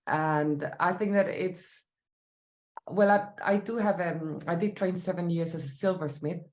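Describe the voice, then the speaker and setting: Chilean-accented woman, lowish voice, thoughtful and halting, lots of ums, roomy echoey sound. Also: a little mellow. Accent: Chilean Spanish. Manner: thoughtful, halting, many fillers. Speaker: sculptor guest. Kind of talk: interview answers. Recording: roomy echo.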